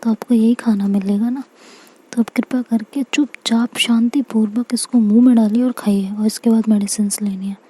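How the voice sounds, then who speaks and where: A woman voicing a caring, firm young woman in whispered role-play, coaxing her injured partner in a soft half-whisper. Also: a little high, fairly even intonation, moderate pace, slight background noise, lightly acted.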